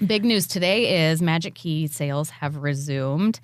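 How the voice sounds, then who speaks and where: A woman co-hosting a podcast, easygoing and quick to laugh, reading listener reviews and going over news. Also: low-pitched, dry recording, studio quality. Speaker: podcast co-host.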